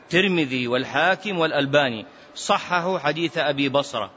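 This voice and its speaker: A man leads a religious lesson in a mosque, his voice a touch high and emphatic. He chants some phrases and fires off rhetorical questions. The recording is dull and muffled. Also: expressive, fast talker, pushed and bright, slight background noise. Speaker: religious teacher. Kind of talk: mosque lesson explaining hadith.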